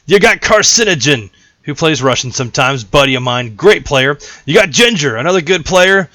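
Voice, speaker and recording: A man hosts a casual gameplay tutorial in a fairly high voice with lively swings in pitch. He rambles and jokes as he explains. The sound is dry and close on a desktop mic. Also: moderate pace, no echo. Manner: animated, rambling, jokey asides. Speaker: gaming channel host.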